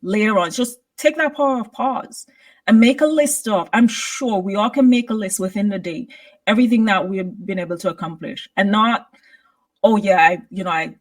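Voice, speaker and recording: A woman originally from Guyana speaks as a podcast guest in a medium-pitched voice. She talks thoughtfully and steadily, weaving personal anecdotes with an easy, conversational rhythm. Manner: thoughtful, steady, personal anecdotes with frequent "you know" and "right?". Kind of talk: reflective conversational storytelling.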